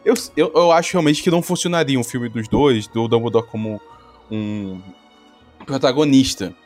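A man in casual podcast chat, talking excitably about films. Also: moderate pace, soft background music. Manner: excitable, swings high and low in pitch.

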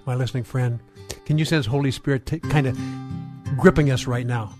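A man's voice: mid-range voice, a little fast. A man hosting Christian radio talk, speaking earnestly and devoutly, directly to his listeners. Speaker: radio show host. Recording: loud live guitar music behind. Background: guitar music.

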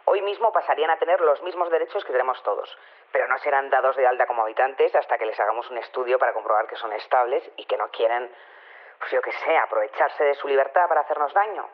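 A man's voice: medium pitch, fast talker. An actor playing a chatty, self-assured male community official, rambling colloquially through a radio interview over a telephone line. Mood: casual, explanatory. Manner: rambling, colloquial, hedging with tag questions. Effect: telephone filter. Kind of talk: improvised-sounding radio phone-in interview. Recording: narrow, tinny phone line.

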